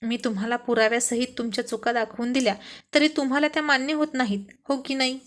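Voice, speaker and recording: A woman's voice: on the high side, fairly even intonation, fast, a bit bright, close to an everyday voice. A woman voicing a spirited young wife. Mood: earnest, teasing. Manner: earnest, emotional dialogue.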